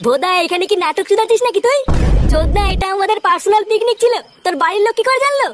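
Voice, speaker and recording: A woman's voice: extremely high pitch, lively intonation, rapid-fire, noisy background. A woman voicing a hot-tempered, foul-mouthed young man in a cartoon, scolding and cursing. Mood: angry. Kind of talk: cartoon voice acting. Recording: music behind.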